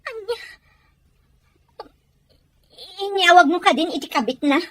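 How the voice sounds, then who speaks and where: A woman playing an anguished, sharp-tongued young wife in a radio drama, with a Filipino accent. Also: extremely high pitch, expressive, quick pace, no room sound. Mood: anxious.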